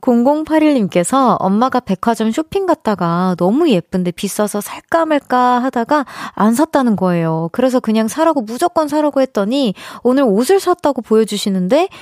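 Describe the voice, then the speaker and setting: A woman's voice: on the high side, expressive, normal speed, hardly any pauses, a little mellow, no room sound. Young female radio host, chatty, giggly, reads listener messages; dry studio mic. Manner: chatty, laughs often between stories.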